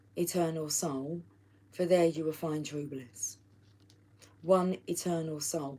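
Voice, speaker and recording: Here is a woman with a Kent accent and fairly low pitch. Her intonation is lively. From Kent, southern England. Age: 40s. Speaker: tarot card reader. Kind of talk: live stream tarot reading. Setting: live stream.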